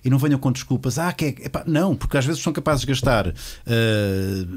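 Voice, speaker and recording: Fast-talking chummy podcast host man. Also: mid-range voice, lively intonation. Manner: chummy, slangy, calls the guest "mano". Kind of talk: casual podcast conversation. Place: podcast studio. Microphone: studio mic with headphones.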